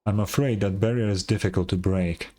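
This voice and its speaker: A man voicing a courteous, earnest tribal scholar in a video game, formal and deliberate. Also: on the low side, steady tone, warm tone, soft background music, close to an everyday voice. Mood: reverent. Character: scholarly, courteous, earnest tribal guide explaining ancient lore.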